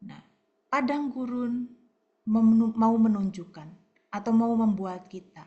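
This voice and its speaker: Animated woman pastor preaching, lo-fi. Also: a little high, unhurried. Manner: animated, swings between loud emphasis and soft whispers. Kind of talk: sermon. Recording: dull lo-fi recording.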